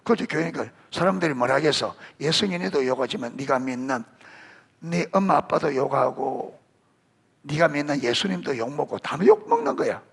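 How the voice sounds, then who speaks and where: A man's voice: fairly high pitch, normal speed, gravelly, husky. A middle-aged male pastor preaching a sermon, quizzing the congregation and calling on children by name. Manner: animated, rising emphasis on scripture.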